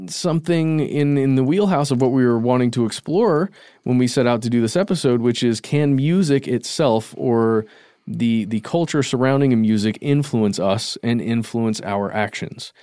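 A man's voice: medium pitch, moderate pace, mellow, clear, resonant tone, no echo, studio quality. A man co-hosting a podcast, talking things through in a casual, thoughtful way and qualifying his points. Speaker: podcast co-host. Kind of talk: casual discussion.

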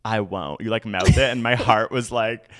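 A young Canadian man in casual chat as a podcast guest, telling stories in an animated way and laughing often. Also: medium pitch, moderate pace.

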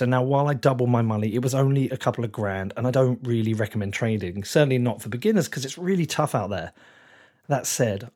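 A male podcast host with an English accent speaks in a croaky, husky voice, as if it is nearly gone. His delivery is informal and addressed straight to the listener, suited to show intros and sponsor reads. The hoarseness roughens his words throughout. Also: mid-range voice, darkish tone. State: losing his voice.

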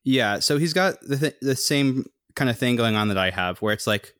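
A young man co-hosting a podcast, rambling casually with a slightly monotone, humming voice. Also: moderate pace, clear, resonant tone, no room sound, studio quality. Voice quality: somewhat monotone, humming low resonance. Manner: rambling, thinks aloud with many fillers. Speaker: podcast co-host. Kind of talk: casual chat.

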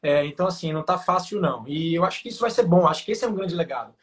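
A man's voice: on the high side, lively intonation, very fast. A man chatting casually as co-host, with colloquial slang fillers. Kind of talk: casual chat.

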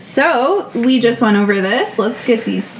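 A young woman with a high voice talks at an unhurried pace while co-hosting a podcast. Her chat is crude and full of laughter. A faint hiss sits behind her. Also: expressive. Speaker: podcast co-host. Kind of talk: casual chat.

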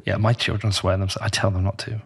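A man with a low, deep voice hosting a podcast. He chats casually and bluntly, laid-back and swearing freely. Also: level tone, brisk, creaky, a little hiss or hum. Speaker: podcast host. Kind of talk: casual chat.

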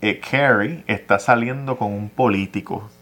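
A man with a Puerto Rican accent, a guest chatting casually outdoors in a park, telling animated stories, laughing often and swearing casually. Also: lowish voice, measured pace. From Puerto Rico. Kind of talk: casual chat.

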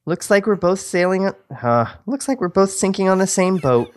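A man's voice: high voice, lively intonation, normal speed, voice pushed up. A man voicing a heartbroken young woman, wry and self-pitying, in an amateur screenplay reading. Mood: wry, gloomy.

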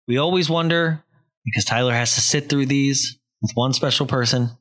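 A man's voice: mid-range voice, normal speed, fairly bright tone. A man hosting a casual film-review podcast, talking loosely with many "likes" and restarts. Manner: loose and rambling, lots of fillers and likes. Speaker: podcast host reviewing films. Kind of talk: casual chat.

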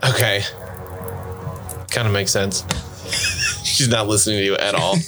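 A man's voice: lowish voice, fairly even intonation, measured pace, over music. A man running a tabletop game as game master, teasing his players and laughing often.

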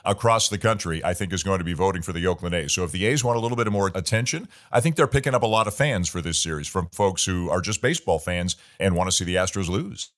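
A man hosting a baseball interview show, talking in a relaxed, opinionated way with easygoing asides between his questions. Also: low-pitched, quick pace, hardly any pauses. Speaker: podcast host.

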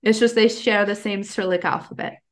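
A woman with an American accent chatting casually as a podcast guest, telling personal stories in an animated way. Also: mid-range voice, fairly quick. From United States. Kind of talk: casual conversational storytelling.

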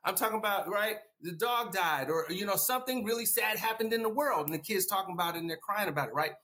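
A male guest educator on a discussion panel, his voice pitched a little high. He argues earnestly, circles back over his points and keeps checking with "right?". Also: fast, bright, forceful tone. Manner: earnest, repeats himself, tags points with "right?".

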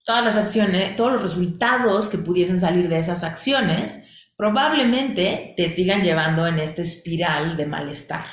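A woman's voice: lowish voice, lively intonation, normal speed, echoey room. A woman teaching a coaching class, asking questions and listing points in repeated phrases. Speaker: coaching instructor.

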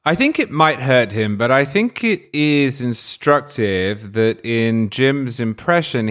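Man on a politics podcast, calm deliberate argument, middle pitch. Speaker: podcast panelist. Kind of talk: political discussion.

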